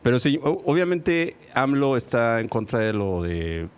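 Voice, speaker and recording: A man's voice: medium pitch, sing-song, unhurried, clear, resonant tone. A young Mexican man hosting a casual chat, slangy and laughing, with constant filler words between phrases. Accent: Mexican Spanish. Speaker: podcast host.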